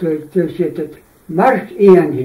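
At a fairly slow pace, a man talks in a high pitch with a dark, mellow tone. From Tver region, Russia. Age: 90s. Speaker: village elder. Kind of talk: interview answer. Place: home room. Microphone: camera far.

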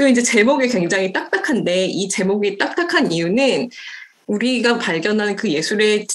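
Pitch ranges very widely across the speech, delivered at a moderate pace. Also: woman. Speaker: visual artist and activist; presenter. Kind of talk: presentation. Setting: video call. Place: home room. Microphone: webcam.

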